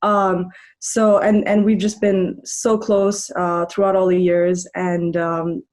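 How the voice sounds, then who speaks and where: Soft-spoken young woman guest. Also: lowish voice, level tone, slow pace. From Germany. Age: young adult. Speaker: podcast guest. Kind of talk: casual conversation.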